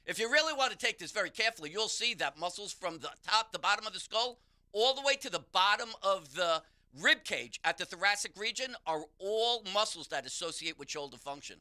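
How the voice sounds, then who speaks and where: Bright-voiced man explaining on radio. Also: sits high, expressive, fairly quick. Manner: explanatory, instructive. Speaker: pain therapist, show expert. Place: radio studio.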